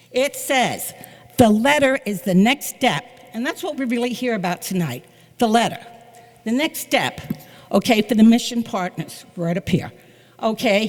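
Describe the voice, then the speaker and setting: A woman talks with a fairly high pitch and lively intonation at a moderate pace, with long, frequent pauses. Noticeable background noise can be heard. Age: 70s. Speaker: resident speaking at town meeting. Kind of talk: public comment at town meeting. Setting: town hall auditorium.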